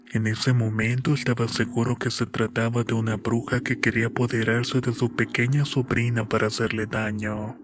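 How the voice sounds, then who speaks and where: A man reading a horror story as scripted narration in a steady storytelling manner. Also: medium pitch. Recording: clear ambient background noise.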